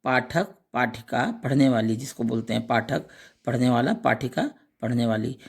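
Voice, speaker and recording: A man teaching a grammar lesson, slowly reciting pairs of words one by one and adding short explanations. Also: medium pitch, fairly even intonation, gravelly. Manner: slow, deliberate recitation of word lists with brief explanations.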